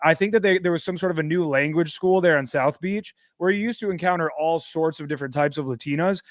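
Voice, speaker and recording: A man's voice: on the high side, fast talker, no room sound, clean studio sound. An American man as an interview guest, chatting casually with slang and swearing. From United States. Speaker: interview guest, dating coach. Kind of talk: casual chat.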